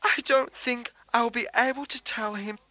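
A woman voices an anxious young dating-agency owner, melodramatic and whiny, always on the edge of tears. Her voice is bright and close, with a dry sound. It fits a comic radio play. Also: fairly high pitch, steady tone, moderate pace, no echo, rough recording. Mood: fretful.

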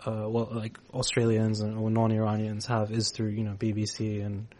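A man's voice: fairly low pitch, monotone, moderate pace, darkish tone. A man hosting a community radio show, chatting casually and thinking aloud with fillers. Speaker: radio host. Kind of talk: casual interview chat.

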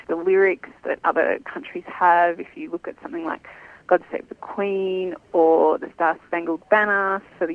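Female journalist over the phone: fry in the voice, lo-fi phone sound, chatty and thoughtful. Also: fairly low pitch, no echo. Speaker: journalist guest. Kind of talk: phone interview. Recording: tinny phone line.

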